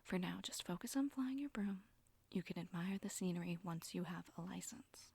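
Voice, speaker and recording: A woman voicing a flirty, bossy witch who teaches broom riding, in a soft breathy ASMR roleplay whisper. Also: fairly low pitch, lively intonation, normal speed, no echo, full character voice. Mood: instructive. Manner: teasing, bossy, instructive. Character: flirty, sassy witch broom-riding instructor, condescending but coaxing.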